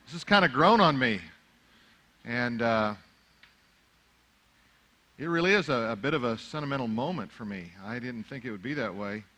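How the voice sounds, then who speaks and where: A man's voice: mid-range voice, animated, moderate pace, pauses often, pushed and bright. A middle-aged man whose first language is Arabic, preaching a sermon that moves from easy conversational remarks to fervent, rising exhortation. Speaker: pastor.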